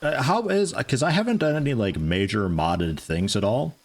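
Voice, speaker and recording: A man livestreaming a video game, chatting in a mellow, soothing, rambling way. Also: mid-range voice, lively intonation, normal speed. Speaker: gaming livestreamer. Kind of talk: casual livestream commentary.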